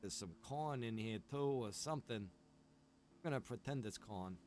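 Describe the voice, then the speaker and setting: A man's voice: medium pitch, expressive, measured pace, darkish tone, a little hiss or hum. A man chatting casually while livestreaming a survival game, joking in a laid-back way and laughing often. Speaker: live streamer playing a survival roleplay game. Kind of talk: casual gaming livestream chat.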